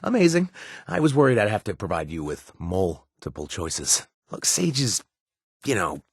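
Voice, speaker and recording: Roguish ex-raider game ally, husky, very lively intonation, flirtatious, wry, teasing, hesitant pauses. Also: male voice, lowish voice, no room sound, studio quality, full character voice. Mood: casual, wry. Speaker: video game companion character. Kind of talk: video game voice acting.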